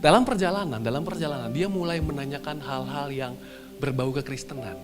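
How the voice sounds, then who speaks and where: A young man, a pastor, preaching a sermon and telling a story to his congregation in a lively way. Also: a little high, a little fast. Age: young adult. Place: church hall. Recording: with clear music behind.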